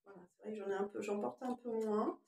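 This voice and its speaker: Female oracle reader, mid-pitched, getting over a cough, informal and musing, echoey room sound. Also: fairly even intonation, quick pace, creaky, a little mellow, a little hiss or hum. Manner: hesitant, musing asides between read passages. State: lingering cough. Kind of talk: informal spiritual card reading, part read aloud.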